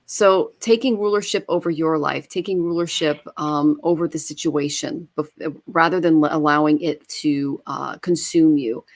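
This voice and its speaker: Brief: low-pitched woman, tarot reader, reflective, lots of fillers. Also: steady tone, normal speed, hardly any pauses. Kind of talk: live online tarot reading.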